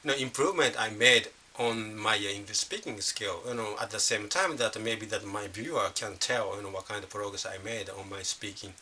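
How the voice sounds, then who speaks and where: Halting middle-aged Japanese man, bright edge. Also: lowish voice, a little hiss or hum. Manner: halting, leans on constant "you know" fillers and restarts. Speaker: vlogger. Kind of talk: unscripted casual monologue.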